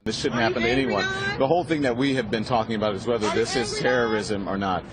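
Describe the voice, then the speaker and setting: A man's voice: mid-range voice, fast, over loud music. A man giving unscripted commentary in a live news discussion. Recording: very loud crowd outdoors.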